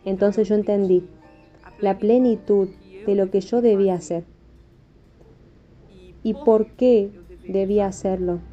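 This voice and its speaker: A woman recounting a spiritual testimony with earnest emphasis, her voice deep-toned and mellow. The recording is muffled and lo-fi, and soft music runs quietly underneath. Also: steady tone, unhurried, long pauses. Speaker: preacher giving testimony. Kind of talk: testimony narration. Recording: dull lo-fi audio with faint music.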